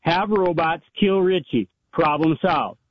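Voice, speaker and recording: A man's voice: fairly high pitch, measured pace, dry recording, highs cut off. A man calling in to a talk show, arguing casually and insultingly, repeating himself and talking over others. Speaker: caller to a talk radio show. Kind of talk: casual argumentative banter.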